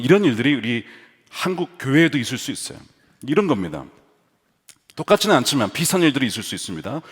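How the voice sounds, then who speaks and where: A male pastor preaching an animated sermon in a church sanctuary, mixing humor with rhetorical questions. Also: mid-range voice. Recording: long reverb of a large hall.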